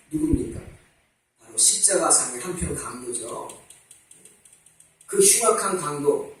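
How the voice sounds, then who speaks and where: A man preaching a sermon as pastor, asking rhetorical questions and repeating his calls to repent. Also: sits high. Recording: echoey church hall, mic at a distance.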